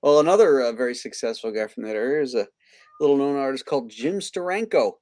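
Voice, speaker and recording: A man of average pitch hosts a livestream in a relaxed conversational style. The recording is dry, with little room around the voice. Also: quick pace, no room sound. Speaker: host of a comics livestream. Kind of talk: casual chat.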